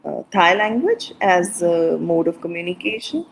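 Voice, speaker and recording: A middle-aged woman doctor from Pakistan, explaining things in short, halting fragments in a casual video-call interview. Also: fairly low pitch, animated, gravelly, a little hiss or hum, poor audio. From Pakistan, Punjab. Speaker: guest, medical doctor.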